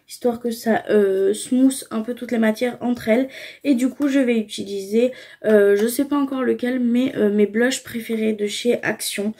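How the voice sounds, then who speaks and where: A woman's voice: fairly high pitch, dark tone. A young woman casually talking through her makeup routine, explaining each step with frequent fillers. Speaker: beauty vlogger.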